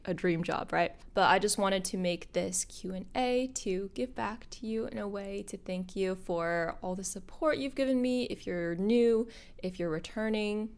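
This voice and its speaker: A young woman hosting her own podcast, talking casually and upbeat to viewers, her voice husky because she is a little sick. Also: mid-range voice. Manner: bubbly and upbeat, addressing viewers directly. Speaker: podcast host and content creator. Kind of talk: casual solo podcast talk.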